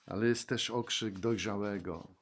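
A man preaching a sermon, reading Bible verses and speaking slowly and reflectively, then rising into fervent exclamations. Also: on the low side, steady tone, slight background noise.

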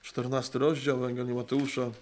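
A man preaching an earnest sermon, slowing down and softening when he quotes Christ, apparently speaking outdoors among trees. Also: medium pitch, level tone, a little hiss or hum.

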